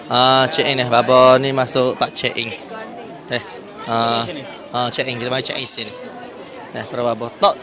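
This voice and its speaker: A man's voice: mid-range voice, level tone, normal speed, pauses often. A man with a southern Thai Malay accent gives casual, repetitive live commentary as a vlogger, filming on a handheld phone. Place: large, crowded airport check-in hall. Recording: busy crowd chatter in public hall. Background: crowd chatter.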